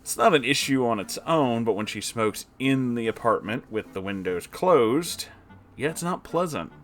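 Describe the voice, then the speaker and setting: A man's voice: mid-range voice, expressive, normal speed, faint music behind. A man reading an online post aloud, breaking off now and then with disgusted reactions. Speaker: story reader.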